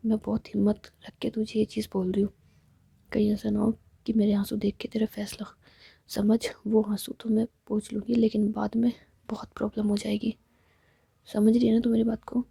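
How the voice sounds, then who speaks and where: A woman voicing a heartbroken young woman who pleads softly and sounds close to tears. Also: on the high side, creaky, slightly rough, no room sound, full character voice. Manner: pleading, tearful, soft. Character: young woman heartbroken over her lover.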